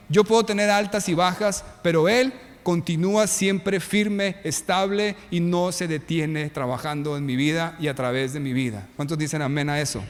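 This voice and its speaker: Mexican pastor, male, high voice, expressive sermon with questions to the flock, church hall reverb. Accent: Mexican Spanish. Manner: expressive preaching with rhetorical questions to the congregation.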